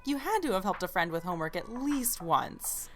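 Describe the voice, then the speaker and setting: A woman's voice: medium pitch, very animated, normal speed, fairly bright tone, soft background music. A woman playing an encouraging young diner worker in an audio drama, with a casual, playful manner. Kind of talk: naturalistic audio drama acting.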